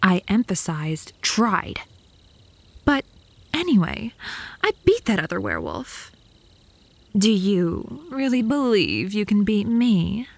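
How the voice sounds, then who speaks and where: A woman's voice: medium pitch, wildly swooping pitch, a little slow, gravelly, heavily acted. A woman playing a possessive, lovesick, bratty vampire in a comedic ASMR roleplay, haughty and theatrical, by turns flirty and threatening.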